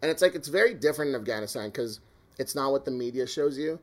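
A man's voice: medium pitch, animated, fast. A Canadian man telling stories in a casual podcast chat, rambling with plenty of "um" and "like". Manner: chatty, rambling with many fillers.

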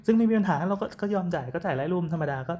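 A man telling a story in casual chat, halting and full of fillers, dropping English words into his talk. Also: sits high, lively intonation, dark tone. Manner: rambling, many fillers, mixes in English words.

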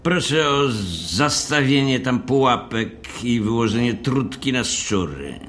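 An actor playing a pompous, officious hotel manager in an audio drama, speaking in a formal, methodical way. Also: male voice, medium pitch, measured pace, fairly bright tone, slight background noise, lightly acted. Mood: brisk, officious. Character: officious, pompous male hotel manager briefing a new caretaker.

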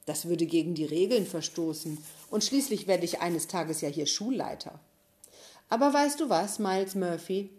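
A woman voicing a boastful, bullying schoolboy who talks in a smug, menacing way, raised and loud, in a storybook reading. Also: fairly low pitch, lively intonation, normal speed, lightly acted. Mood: smug threatening.

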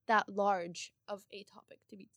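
A young woman from Palestine talking as a guest on a casual podcast. She speaks in a relaxed, easygoing way. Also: mid-range voice, moderate pace, dry recording, studio quality.

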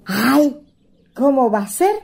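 A woman playing a courteous, chatty young country hostess with a rural Chilean accent and a breathy voice in a radio play. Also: sits high, lively intonation, slow, darkish tone, heavily acted. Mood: eager, chatty. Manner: folksy, solicitous, polite.

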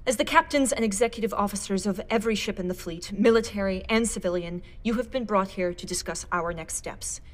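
An actress playing the composed, earnest director of a space expedition in a science fiction audio drama, formal and measured. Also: female voice, medium pitch, a little hiss or hum, natural voice. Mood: composed, official. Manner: formal, measured public address.

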